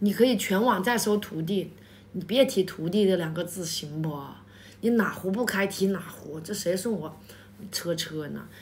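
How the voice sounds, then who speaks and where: With an animated tone, a somewhat breathy woman speaks at medium pitch and a moderate pace with ordinary pitch variation. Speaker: livestream host. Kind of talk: casual chat. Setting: livestream. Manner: animated, chatty.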